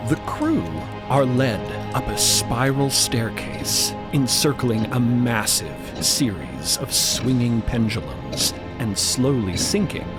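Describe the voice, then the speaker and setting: Male storyteller, unhurried and animated, scripted dramatic narration, loud score underneath. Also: mid-range voice. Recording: loud music behind.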